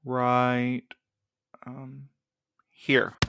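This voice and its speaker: A man's voice: medium pitch, completely flat delivery, extremely slow, gravelly, noisy background. An actor playing a weary, guarded young man in an audio drama, with a subdued, terse delivery. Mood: earnest, intent. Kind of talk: naturalistic audio drama acting.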